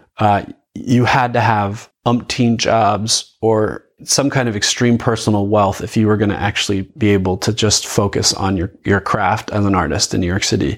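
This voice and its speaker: At a moderate pace with hardly any pauses, a man with an American accent speaks at a fairly low pitch, with very even loudness and fairly even intonation. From Philadelphia, US. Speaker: theater artistic director. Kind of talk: interview. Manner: articulate.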